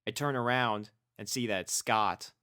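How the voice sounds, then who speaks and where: A man's voice: lowish voice, moderate pace, sharp tone, clear, resonant tone. A man reading a first-person story as scripted narration, in an earnest, sentimental manner. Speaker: fan fiction reader.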